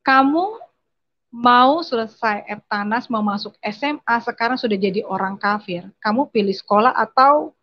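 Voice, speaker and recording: A woman voicing her own furious father as he shouts harsh insults at his daughter. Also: very high voice, expressive, normal speed, muffled recording. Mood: angry scolding.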